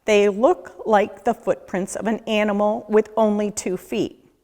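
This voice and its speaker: A woman reading a children's picture book aloud as a nature educator, with a deliberate, questioning storyteller delivery. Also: medium pitch, fairly even intonation, a little mellow. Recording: echoey room with long reverb.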